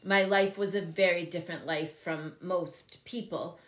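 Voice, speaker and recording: A woman in her fifties hosting a talk show, telling a personal story in a candid, animated way with frequent laughs. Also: on the low side, a little slow, echoey room. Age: 50s. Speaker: show host and company CEO. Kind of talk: casual storytelling on a live show.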